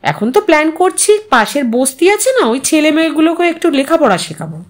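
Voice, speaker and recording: An older mother voiced by a woman narrator talks on in a fairly high voice. She is a content, chatty housewife in a storybook tale, earnest and reflective about her life. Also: sing-song, fairly quick. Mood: cheerful, assertive. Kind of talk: storybook character dialogue.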